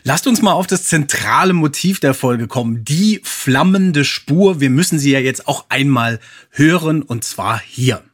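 A man hosting a podcast, moderating a casual discussion with a slightly husky voice. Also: fairly high pitch, expressive, measured pace. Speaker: podcast host.

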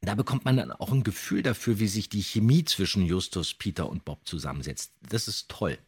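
A man's voice: on the low side, a little fast, darkish tone, husky. A man who hosts a podcast and voice acts, commenting casually and animatedly on audio dramas, with theatrically quoted lines. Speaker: podcast host and voice actor.

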